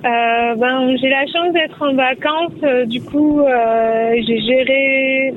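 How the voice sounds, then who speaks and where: A woman with a regional French accent, a podcast guest talking from a moving car, relaxed and hesitant with many fillers. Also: high-pitched, slow pace, a little hiss or hum. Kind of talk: casual interview by phone. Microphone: phone. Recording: tinny phone line from a car.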